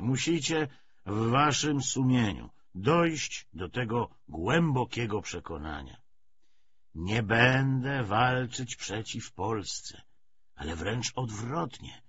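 A man's voice: medium pitch, fairly bright tone, husky, full character voice. A man reading an audiobook, voicing a weary, cynical, persuasive Bolshevik official with emphatic, hesitating, rhetorical speech. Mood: persuasive, fervent. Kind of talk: dramatised audiobook dialogue. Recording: dull lo-fi audio, faint noise.

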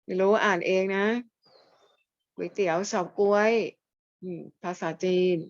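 A woman's voice: medium pitch, steady tone, a little slow, no echo. Woman teacher lecturing a silent online class. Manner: chiding students who stay silent, asking questions and answering them herself. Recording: dull lo-fi dry audio.

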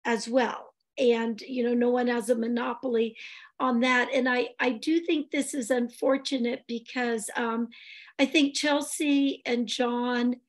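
A woman's voice: a little high, fairly even intonation, unhurried. A woman in her sixties who is losing her voice, talking earnestly through a public meeting on a video call from home, with many fillers and restarts. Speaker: board chair. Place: home room, indoors.

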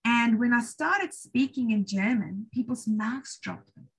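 A middle-aged South African woman, whose first language is English or Afrikaans, speaks in a fairly high, gravelly voice with a breathy edge, taking her time. An IELTS trainer hosting a webinar, she answers Q&A questions over a laptop video call in a chatty, encouraging, self-deprecating way.

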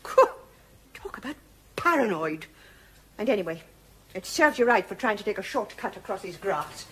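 A woman's voice: mid-range voice, sing-song, normal speed, a bit bright. A middle-aged actress playing a long-suffering wife who scolds her husband with exasperated sarcasm in a sitcom. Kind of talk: sitcom acting. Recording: noisy old TV broadcast audio.

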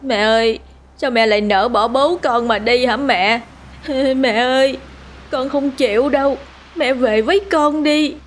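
A woman's voice: high-pitched, a little slow, slight background noise, voice pushed up. A woman doing a sobbing young son. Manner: crying, pleading. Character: young son sobbing over dead mother.

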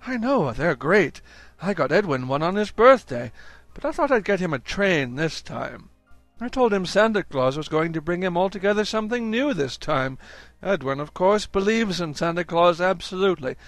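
A man's voice: sits high, moderate pace, no echo, faint music behind. A man doing a hearty middle-aged father. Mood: excited. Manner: hearty, boyishly excited.

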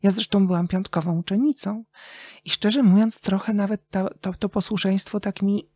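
A middle-aged woman chats as an interview guest in a dry, close recording. Her pitch is average, and she tells things expressively and reflectively, pausing to think. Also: steady tone, warm tone, breathy edge, no echo. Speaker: interview guest, radio journalist and writer. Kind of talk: reflective casual podcast conversation.

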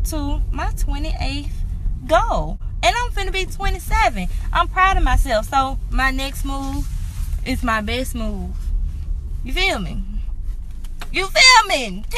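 Filming herself on a handheld phone at home and later in her car, a twentysomething woman vlogs in a loose, chatty way, ranting unfiltered directly to her audience. She speaks a little high and a bit bright. A faint hiss or hum runs underneath.

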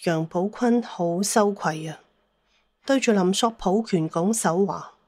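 A woman's voice: mid-range voice, measured pace, a little mellow, dry recording, studio quality. A woman narrating a scripted dramatic story as an audiobook narrator.

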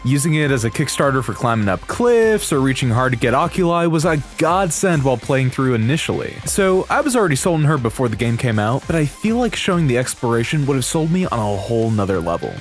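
A young man giving casual, slangy and excitable reaction commentary as a video creator, swearing freely. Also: medium pitch, fast, hardly any pauses. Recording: music playing behind the voice. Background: game trailer music.

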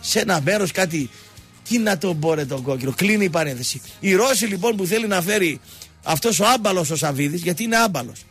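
A man's voice: high voice, slightly rough, faint music behind. A man hosting a radio sports show, mocking and digressive as he rambles about football. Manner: animated, mocking, digressive storyteller. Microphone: radio studio microphone.

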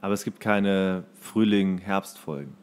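Male co-host, slightly low pitch, casual, questioning, conversational podcast talk. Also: unhurried, a little mellow, smooth. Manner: inquisitive, questioning.

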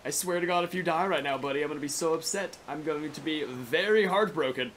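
Raspy young man, sore throat, slightly high voice, excitable swearing gameplay talk, faint hiss behind. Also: fast. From California. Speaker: gaming YouTuber. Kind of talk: casual gameplay commentary.

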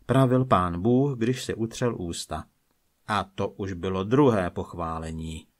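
A man calmly narrating old folk legends as a storyteller, reading at a measured pace. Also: medium pitch.

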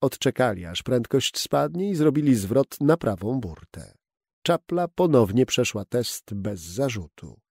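Brief: male audiobook narrator, warm gravelly voice, dry close studio sound. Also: mid-range voice, unhurried, no room sound. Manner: steady, expressive storytelling. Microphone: close studio mic.

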